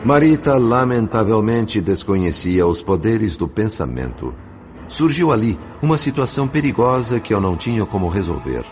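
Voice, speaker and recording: Deep-voiced, solemn spirit narrator. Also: male voice, sing-song, noisy background. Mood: grave concern. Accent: Brazilian. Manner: solemn, formal, measured. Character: compassionate male spirit guide narrating, grave and concerned. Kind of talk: scripted dramatic narration. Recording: slightly muffled, music underneath.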